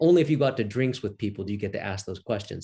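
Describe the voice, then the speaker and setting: This voice is somewhat breathy. Its intonation is lively. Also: man. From United States. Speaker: retired corporate executive, panelist. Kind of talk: panel discussion.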